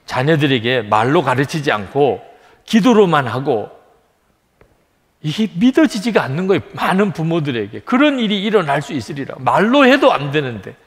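A middle-aged male pastor delivers a sermon with an earnest, lively rise and fall in his voice. He sits a little high for a man. His words ring out with the long reverb of a large church sanctuary. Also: moderate pace. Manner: earnest preaching, acts out a child's plaintive voice in quotes.

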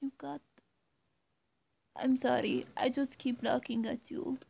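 Woman playing a high-voiced, coy female vampire. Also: fairly even intonation, creaky, a little mellow, slightly rough, full character voice. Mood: fascinated, apologetic. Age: young adult. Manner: coy, halting, cooing endearments. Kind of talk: ASMR-style roleplay addressed to the viewer. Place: small indoor room, seated on a bed. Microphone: camera or phone at arm's length.

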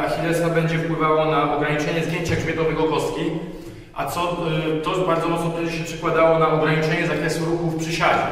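A man's voice: on the high side, fairly bright tone. A man in his thirties giving an informal, step-by-step exercise tutorial as an instructor, speaking to a camera in an indoor gym. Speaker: physiotherapy and fitness instructor. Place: large indoor gym with rubber floor. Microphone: camera a few metres away. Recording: very echoey gym, far from microphone.

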